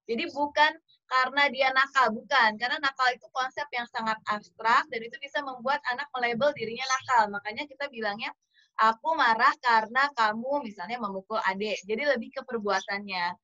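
Woman expert for a parenting class: slightly high, bright voice, patient and methodical, heard through a video call. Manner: measured, explains with lists of examples. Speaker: child development practitioner. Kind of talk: explaining to parents. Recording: dull video-call audio.

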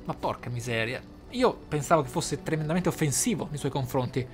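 A man's voice: fairly high pitch, animated, fairly quick. A man hosting a gaming channel, reading lore aloud expressively and musing on it in asides. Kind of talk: reading game lore aloud with off-the-cuff commentary. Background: game music.

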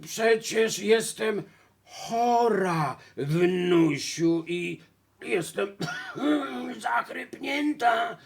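A man doing a rasping sly wolf. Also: high voice, animated, extremely slow, pitched above the performer's own voice, full character voice. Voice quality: hoarse, rasping. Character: sly hungry grey wolf posing as grandma.

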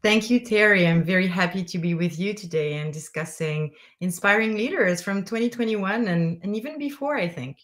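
A woman's voice: medium pitch, moderate pace, hardly any pauses. A woman in her thirties with a French accent, a francophone leadership coach speaking as a guest on a video call from home, eager and fluent. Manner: warm, eager, fluent with small restarts. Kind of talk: interview talk. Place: bedroom, indoors.

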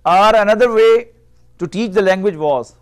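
A middle-aged man whose native tongue is Urdu explains language structure in a steady, patient teaching voice that sits noticeably high. He often pauses to pose rhetorical questions to his students. He is recorded close on a lapel mic in a small classroom. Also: clear, resonant tone. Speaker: Arabic teacher. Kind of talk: classroom lecture.

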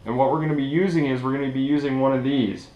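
Seated at a table in a small room, this young DIY host talks fast and steadily through an informal hands-on tutorial. His voice is medium in pitch, and the audio is dull and echoey.

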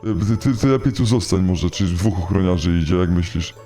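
A man putting on a disguised deep voice to play a bossy male security guard in a game. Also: fairly quick, mellow, soft background music, lightly acted. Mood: stern guard. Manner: bossy, threatening, hesitant.

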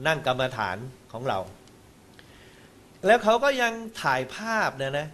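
A man giving a Buddhist dharma talk on television, explaining ideas in a lively, exclamatory way and slipping in English terms. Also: on the high side.

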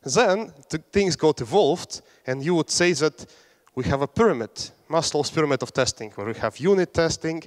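A young man from Latvia giving a casual, joking technical talk on a conference stage, with fillers and restarts. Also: on the high side. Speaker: conference speaker. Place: large conference hall on stage. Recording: hall reverb.

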